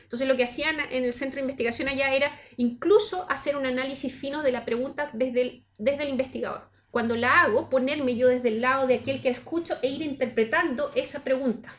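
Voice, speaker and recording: A woman's voice: high voice, a little fast, few pauses, fairly bright tone, a little hiss or hum. A woman researcher giving an academic seminar talk, explaining her method step by step and thinking aloud as she goes. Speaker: university researcher presenting at a seminar.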